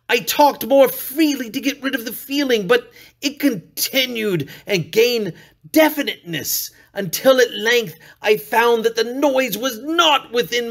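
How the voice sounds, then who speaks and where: A man performing a dramatic storybook reading as an unhinged murderer, theatrical, sliding from hushed purring to shrieks. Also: high-pitched, heavily acted. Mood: frantic, unraveling. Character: unhinged male murderer, gloating and paranoid, classic villain. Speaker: reader.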